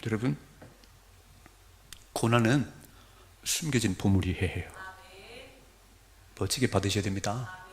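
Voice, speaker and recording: Middle-aged pastor guy preaching, voice swings way up and down, keeps asking the congregation stuff. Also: mid-range voice. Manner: animated preaching, acts out God's and Job's words; direct address to the congregation, rhetorical questions. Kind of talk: sermon.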